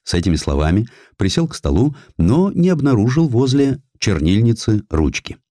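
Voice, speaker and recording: A man reading literary historical prose as an expressive audiobook narrator, in a measured storytelling way. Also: on the low side, no echo, clean studio sound. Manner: measured, storytelling delivery, acts out quoted dialogue.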